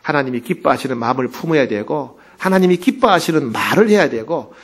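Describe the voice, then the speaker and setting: Animated storytelling male pastor. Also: medium pitch, a little fast, slightly rough. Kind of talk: sermon.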